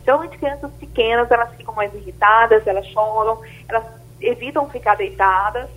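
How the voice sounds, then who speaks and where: A woman doctor on a radio health show, explaining symptoms in a measured way, often starting with "então". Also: on the high side, phone-quality sound. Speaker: doctor guest.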